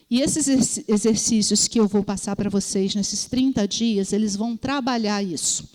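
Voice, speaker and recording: A woman's voice: mid-range voice, a little mellow. A Brazilian woman giving a Catholic prayer-group talk, telling stories and acting out the voices in her quotes, often asking her listeners "entendeu?". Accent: Brazilian Portuguese. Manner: storytelling, acts out voices in quotes. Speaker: lay preacher. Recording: long hall reverb.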